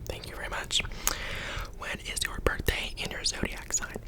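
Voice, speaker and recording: A young man of eighteen talks in a soft, breathy whisper for an ASMR video. He rambles in a chatty, unplanned way, filling pauses with "um" and "like". The sound is close and intimate, as if he is speaking from his bedroom. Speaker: ASMR creator.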